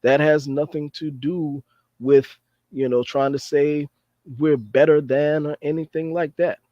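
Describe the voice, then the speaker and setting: A man's voice: a little high, level tone, a little slow, warm tone, no room sound. A man hosting a talk show in an earnest, repetitive way, often adding "you know" and "okay". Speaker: podcast host. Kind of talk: casual commentary. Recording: dry, dull lo-fi sound.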